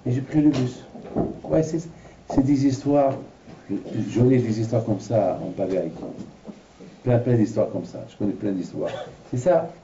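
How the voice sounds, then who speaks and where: A man with a very mellow, dark voice delivers a Torah lesson, slipping into lively storytelling. He sounds set back from the mic in a roomy hall. The recording is dull and lo-fi. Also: mid-range voice, measured pace, long pauses, slight background noise. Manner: animated storyteller, acting out voices in his anecdotes. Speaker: rabbi teaching a class. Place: large room at an evening lecture. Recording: dull, lo-fi, from a distance in an echoey room.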